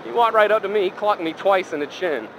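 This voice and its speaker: Higher-voiced man talking inside a motorcycle helmet. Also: brisk. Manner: rambling, profane, colloquial. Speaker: motorcycle vlogger. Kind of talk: casual first-person storytelling. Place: inside a helmet while riding a motorcycle outdoors. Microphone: helmet microphone. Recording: engine and road noise, helmet mic. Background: motorcycle and traffic noise.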